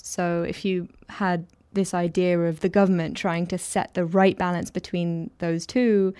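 A woman's voice: lowish voice, warm tone, smooth. A woman presenter who describes her surroundings as she walks, then asks conversational interview questions.

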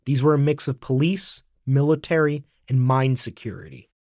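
A man narrating an investigative report in scripted, measured form. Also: mid-range voice, dry recording, clean studio sound. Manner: measured, even delivery. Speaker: documentary narrator.

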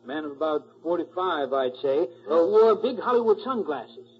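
A chatty business owner played by a man in an old radio drama. His voice sits a little high, and the recording is dull and muffled. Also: animated, moderate pace, natural voice. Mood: helpful, chatty. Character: cooperative, chatty male sound-truck business owner. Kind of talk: 1940s radio acting.

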